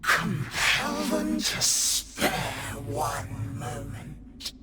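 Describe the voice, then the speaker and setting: A woman voicing an ancient, cryptic, imperious spirit in a video game, with breathy, oracular delivery. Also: low voice, very animated, exaggerated voice. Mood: ominous, commanding. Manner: oracular, drawn-out phrasing. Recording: long reverb, music behind. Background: game music.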